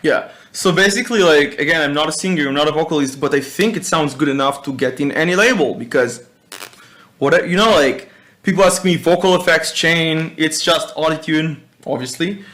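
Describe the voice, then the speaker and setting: A man from Israel with an Israeli accent, talking casually as a music producer in a hesitant, halting way, swearing now and then. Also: on the high side, fairly bright tone, slight background noise. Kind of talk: casual workshop talk.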